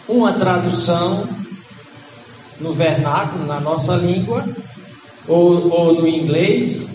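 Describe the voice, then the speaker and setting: A Brazilian man preaching a sermon as pastor, with a cold that makes his voice congested, teaching in an unhurried way and stressing key words. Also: sits high. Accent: Brazilian Portuguese. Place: church hall. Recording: echoey hall, dull lo-fi sound, noisy background.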